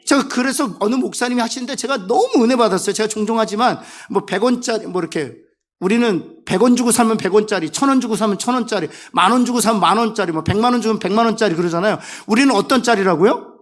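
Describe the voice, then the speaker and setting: A middle-aged man preaching a sermon as pastor, telling a personal story with emotion, dropping quiet and then rising to emphatic points. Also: high-pitched, fast talker.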